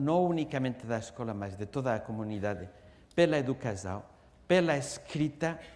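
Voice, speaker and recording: A man with a Spanish accent talks at a medium pitch with lively intonation. Audible room echo is present. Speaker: professor and education researcher. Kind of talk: lecture. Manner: halting, with many hesitations.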